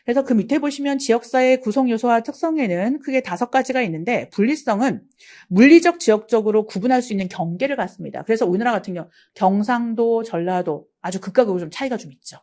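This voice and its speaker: A woman's voice: on the high side, animated, quick pace, a little mellow. A middle-aged woman from South Korea's Gangwon region, giving an online exam-prep lecture in a chatty, anecdotal way. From Gangwon Province, South Korea. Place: lecture studio.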